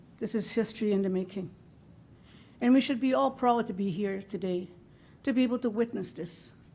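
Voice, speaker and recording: A woman's somewhat breathy voice with a Great Lakes accent, medium in pitch with a dark, mellow tone, ordinary pitch variation, a fairly quick pace and long, frequent pauses. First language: Ojibwe. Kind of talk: blessing prayer. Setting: public ceremony at a museum.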